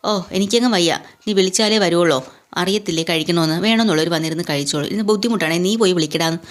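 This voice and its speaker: A woman's voice: fairly low pitch, fast, close to an everyday voice. A woman voicing a dismissive middle-aged housewife in a retold TV serial. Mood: sulking.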